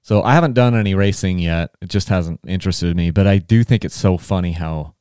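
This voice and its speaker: A man's voice: sits low, brisk, darkish tone, clean tone, dry recording, studio quality. A man hosting a casual interview, who rambles and restarts his questions often. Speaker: podcast host.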